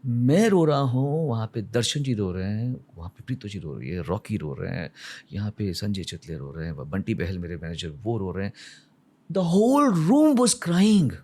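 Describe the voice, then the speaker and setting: A man's voice: sits low, animated, normal speed, a little mellow. A man in his forties from India, speaking as a podcast guest. He tells reflective, emotional stories and mixes English phrases into his speech. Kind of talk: reflective conversational storytelling.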